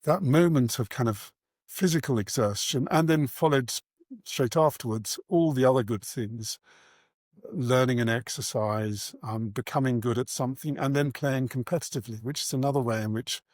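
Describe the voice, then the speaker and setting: A middle-aged man speaks as an interview guest, earnest and articulate. He sits at a medium pitch and measures out his thoughts with pauses, in a close, dry sound. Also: darkish tone, no echo. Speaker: interview guest, charity founder and cricket coach. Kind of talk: reflective interview answers.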